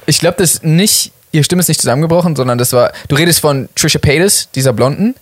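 A man's voice: on the high side, quick pace, breathy edge, dry recording. A man in a casual podcast chat, playful and chatty, quizzing his co-host and laughing often.

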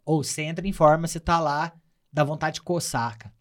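A male podcast host in casual chat, telling stories with laughter and swearing, acting out people's shouts. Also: a little high, fairly quick. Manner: animated storyteller, swears freely, laughs often; acts out people's shouts in a raised voice.

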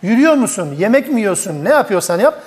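A man's voice: high voice, sing-song, quick pace, in a large hall. A man giving an Islamic tafsir lecture, emphatic and answering his own rhetorical questions. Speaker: Quran commentary teacher.

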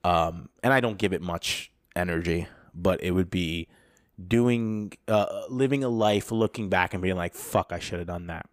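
A man's voice: deep voice, moderate pace, no echo, clean studio sound. A thirty-year-old man chatting casually as a podcast co-host, talking emphatically with slangy, sweary, bro-style phrasing. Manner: animated, emphatic, swears freely, says "bro" and "dude". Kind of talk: casual chat.

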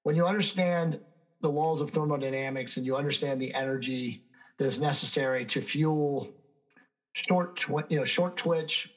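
A man's voice: on the high side, normal speed, poor audio. Self-assured man in his fifties. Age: 50s. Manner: emphatic, self-assured, lecturing. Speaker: fitness expert guest. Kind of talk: conversational interview answers.

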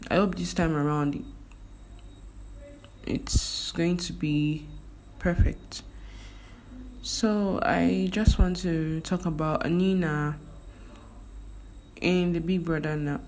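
A woman's voice: sits low, low-quality recording. A young Nigerian woman with a Nigerian accent, whose first language is Igbo, chatting casually on her vlog with lots of fillers and restarts. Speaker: vlogger. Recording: faint background noise.

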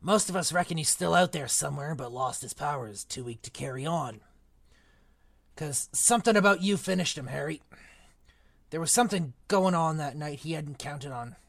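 A man playing a big, gruff but kindly half-giant groundskeeper who talks in blunt, folksy, ungrammatical speech. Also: a little high, moderate pace, fairly bright tone, no room sound. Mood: musing. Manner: rough folksy grammar, blunt. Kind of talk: audiobook character reading.

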